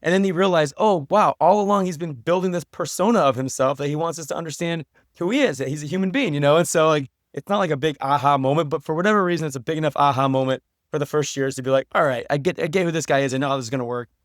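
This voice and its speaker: Fast-talking middle-aged American man, chatty. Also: fairly high pitch, dry recording, studio quality. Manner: chatty storyteller, colloquial. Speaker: podcast guest, writer and professor. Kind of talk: casual podcast conversation.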